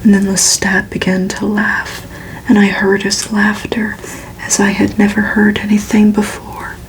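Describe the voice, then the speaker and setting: A woman reading a gothic novel aloud for ASMR in a breathy, unvoiced whisper, hushed and deliberate, with pauses between phrases. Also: mid-range voice, completely flat delivery, slight background noise, poor audio. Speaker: ASMR reader.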